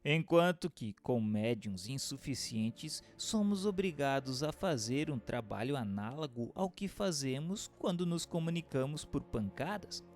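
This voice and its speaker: A man plays a learned spirit lecturing patiently in a radio play. The Brazilian voice is solemn and eloquent, rising and falling widely on emphatic, deliberate phrases. Music plays underneath. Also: medium pitch, animated, lightly acted. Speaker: voice actor in an audio book dramatization. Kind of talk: scripted radio drama monologue, didactic reading.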